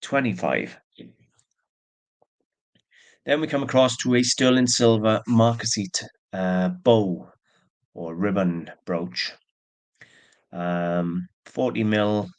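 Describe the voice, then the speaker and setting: A man stuffy with allergies and yawning casually shows and describes the antique silver jewelry he sells. His lowish voice moves slowly, with long pauses, and his chatty narration includes plain asides.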